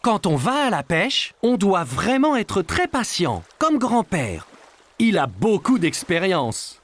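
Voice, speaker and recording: A woman's voice: medium pitch, big pitch swings, slow pace. A woman voicing a patient, kindly parent who explains things simply and reassuringly in a children's cartoon. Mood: patient, explaining.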